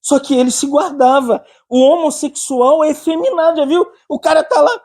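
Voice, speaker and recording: A man's voice: very high-pitched, normal speed, a little mellow. A man with a Brazilian accent preaching a humorous sermon, joking, laughing often and acting out anecdotes.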